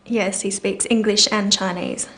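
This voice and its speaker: A woman's voice: medium pitch, fairly even intonation, unhurried, a bit bright. An actress in her twenties playing a polite young businesswoman client who gives short answers. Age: 20s. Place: small office set, indoors.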